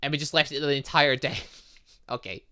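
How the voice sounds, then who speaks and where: A person giving casual let's play commentary on a game, rambling and thinking out loud as they go. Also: medium pitch, steady tone, fairly quick. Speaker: gaming video host.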